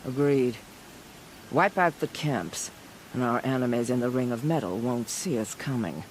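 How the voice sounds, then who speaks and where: A woman's voice: very deep voice, lively intonation, moderate pace, slight background noise, low-quality recording. A woman playing a stern tribal war chief in a video game, speaking in a commanding, solemn, declamatory manner. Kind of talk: video game dramatic dialogue.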